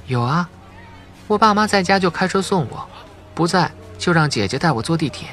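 A man's voice: a little high, expressive, moderate pace, fairly bright tone, faint music behind, pitched above the performer's own voice. A man voicing an innocent, earnest young schoolgirl with guileless, childlike manner in an audiobook story. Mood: matter-of-fact, indignant. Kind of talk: audiobook character dialogue.

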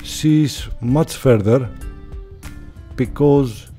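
A man with a mellow, dark voice hosts a motor show walkaround. He jokes and rambles in loose English full of fillers, recorded close to the mic with faint music behind. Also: mid-range voice, drawn-out words. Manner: joking, rambling, non-native English with many fillers. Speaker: motorcycle video host. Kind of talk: casual chat at a motor show. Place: busy indoor motorcycle exhibition hall. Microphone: mic held close to his mouth.

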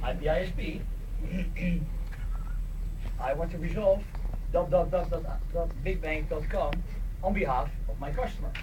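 Middle-aged male presenter, fairly high voice, playful informal live skit, recorded from afar. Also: measured pace, long pauses. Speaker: session presenter acting out an internet provider. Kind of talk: live conference skit, semi-improvised. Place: small conference meeting room. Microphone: handheld mic, filmed from audience. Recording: distant, noisy conference room recording.

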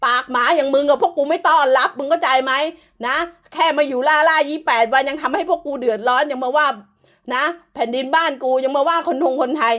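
A woman's voice: high voice, fast, a bit bright. A woman delivering an angry, profane, scolding rant as an online commentator, hurling insults throughout.

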